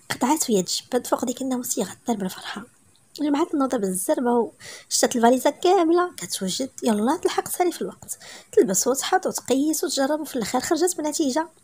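A woman with a Moroccan accent reading a romance story aloud, briskly voicing each character in turn. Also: a little high, a little mellow, breathy edge.

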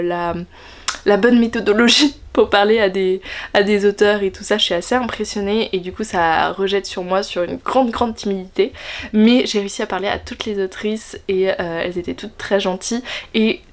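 Shy, hesitant young woman vlogger. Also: medium pitch. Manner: hesitant, many fillers, shy and enthusiastic. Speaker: book vlogger. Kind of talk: casual book haul chat. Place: bedroom in front of a bookshelf, indoors.

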